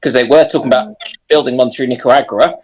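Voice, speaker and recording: Male panelist, medium-pitched voice, casual and a little tentative, working out ideas while talking. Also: steady tone, fast talker, slight background noise. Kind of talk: casual discussion.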